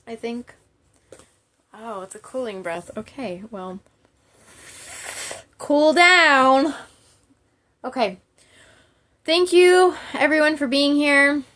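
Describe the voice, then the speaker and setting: A woman's voice: high voice, lively intonation, slow pace, pauses often, a bit bright. A woman chatting casually to viewers as a livestream host, candid and rambling in a giggly, informal way.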